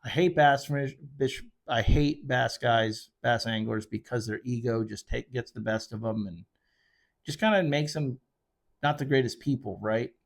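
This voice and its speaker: Speaking into a desk microphone, a show host who works as a fishing charter guide rambles through casual commentary on his own. His voice is medium-pitched, gravelly and unhurried. He uses fillers often and corrects himself as he goes.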